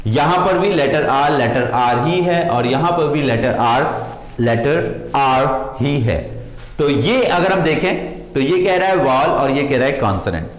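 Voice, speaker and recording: A man's voice: medium pitch, lively intonation, slow. A man with an Indian accent, teaching pronunciation rules in a lesson and drilling words by repeating them and asking the listener to repeat. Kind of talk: classroom-style lesson explaining rules. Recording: echoey room.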